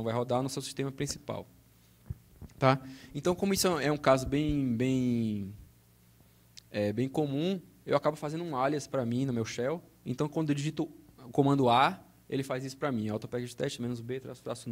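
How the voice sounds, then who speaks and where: Brazilian guy doing a conference tech demo, mid pitch, talks thru it step by step. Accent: Brazilian Portuguese. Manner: explanatory, frequent "tá?" check-ins and restarts. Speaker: conference speaker. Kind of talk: technical talk with live demo. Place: conference auditorium stage. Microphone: handheld then podium microphone.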